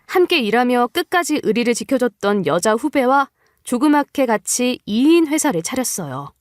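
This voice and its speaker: A woman's voice: on the high side, dry recording, clean studio sound. A woman reading a scripted first-person story as a dramatic narrator.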